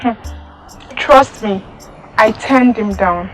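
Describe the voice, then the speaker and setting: A woman's voice: fairly high pitch, takes it slowly, faint music behind, low-quality recording. A woman with a Nigerian accent playing a firm, dismissive young woman who turns down a suitor. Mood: confident. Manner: curt, dismissive. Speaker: maiden who refuses a suitor. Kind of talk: film acting.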